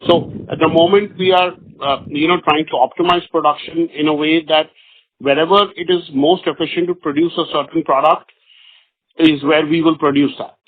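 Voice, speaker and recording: A man, a company executive answering questions on an earnings call, halting and repeating words. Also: a little high. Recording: phone-line conference call audio.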